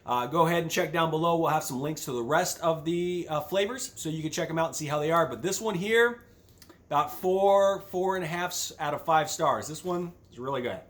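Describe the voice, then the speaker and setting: A man's voice: fairly high pitch, brisk, a bit bright. A man hosting a casual food review, chatting as he tastes crunchy chips. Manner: talks while tasting crunchy chips. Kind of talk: casual product review chat.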